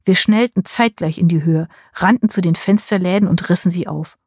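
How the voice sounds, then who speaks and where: Husky woman reading an audiobook. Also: on the low side, moderate pace, darkish tone, dry recording, clean studio sound. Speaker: audiobook reader. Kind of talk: first-person audiobook narration.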